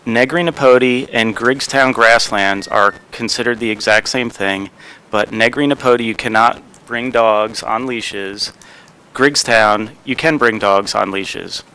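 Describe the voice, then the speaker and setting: A man with a bright, crisp voice speaks as mayor at a town council meeting. He talks in a loose, rambling way, full of fillers and restarts. His voice carries clearly and smoothly through the chamber. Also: mid-range voice, low-quality recording. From New Jersey. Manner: rambling, halting with many fillers.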